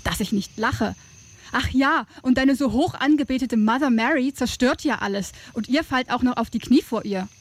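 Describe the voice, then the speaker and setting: Woman acting a bold, highish-voiced tribal rescuer. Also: moderate pace, dry recording, natural voice. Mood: impassioned, reproachful. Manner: direct, teasing, impassioned. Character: bold, caring tribal woman, defiant and practical. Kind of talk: audio drama acting.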